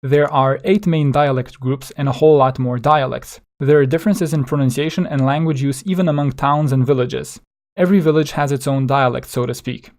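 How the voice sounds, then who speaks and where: A man's voice: mid-range voice, fairly even intonation, a little fast, a little mellow. A man with a Slovene accent, a native Slovene speaker, giving an informal video lesson and explaining things carefully in a conversational way. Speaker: language teacher.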